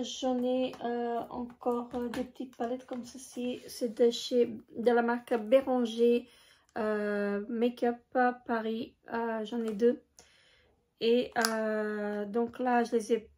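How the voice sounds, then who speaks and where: A woman chatting casually in a show-and-tell vlog, hesitant with many filler pauses. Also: a little high, a little mellow. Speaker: beauty vlogger.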